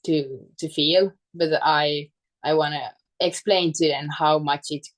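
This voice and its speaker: A woman's voice: deep voice, fairly even intonation, unhurried. A woman from Finland, a native Swedish speaker with a Finland-Swedish accent, talking casually as an interview guest and searching for words in English. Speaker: guest, fitness coach.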